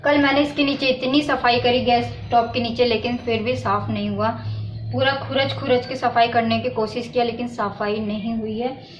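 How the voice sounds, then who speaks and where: A woman's voice: on the high side, steady tone, normal speed, a little hiss or hum. A young woman vlogging from her home kitchen as she cooks, unwell and weak, chatting to viewers and then venting at online trolls. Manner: talks to viewers while doing chores, then vents against trolls. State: unwell and weak, neck pain. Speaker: village vlogger. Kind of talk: casual home vlog while cooking.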